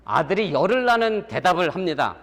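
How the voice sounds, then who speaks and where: Chatty middle-aged pastor in a reverberant hall. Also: male voice, high voice, sing-song, a little fast, a bit bright. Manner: chatty, acts out quoted voices, chuckles at his own stories. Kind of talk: conversational sermon with storytelling. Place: church sanctuary. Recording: long church hall reverb.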